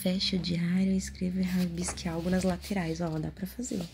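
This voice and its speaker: Hushed Brazilian woman, close in your ear, creaky. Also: level tone, brisk. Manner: hushed, close, right-in-your-ear low voice, often slipping into whisper; murmured reading aloud mixed with offhand remarks. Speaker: ASMR video host. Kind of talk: soft-spoken and whispered ASMR, casual chat. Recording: noisy close home recording, handling clicks.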